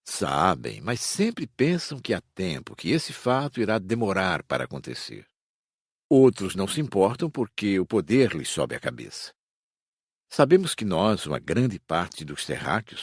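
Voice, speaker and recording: A man with a Brazilian accent playing a calm, wise spirit teacher in an audiobook, explaining things in a measured, didactic way. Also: sits low, breathy edge, dry recording, clean studio sound, heavily acted. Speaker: audiobook voice actor. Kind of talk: audiobook dramatised reading.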